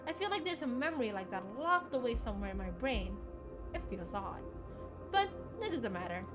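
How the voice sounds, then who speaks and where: A woman livestreamer reading a visual novel aloud in an animated way, with casual asides. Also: a little high. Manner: animated, reacts and questions aloud as she reads. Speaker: game streamer. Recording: background music under the voice. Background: music.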